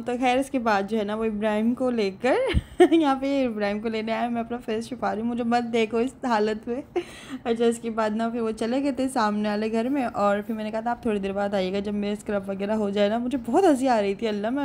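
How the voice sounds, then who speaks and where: A woman's voice: fairly high pitch, darkish tone. A young woman, narrating a casual vlog voice-over in a chatty, rambling way and laughing often. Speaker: vlogger.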